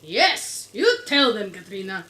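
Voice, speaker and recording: An actress playing a proud, teasing, drily menacing foreign mother in a comedy audio drama, deadpan and self-satisfied with stilted phrasing. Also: medium pitch, unhurried, echoey room. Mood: smug, teasing. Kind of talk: post-apocalyptic comedy audio drama acting.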